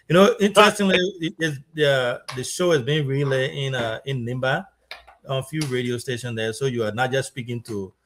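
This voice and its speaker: A man hosting a live-streamed talk show, joking with his guests and thanking them warmly. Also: mid-range voice. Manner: jovial, thanks guests, banters. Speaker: show host.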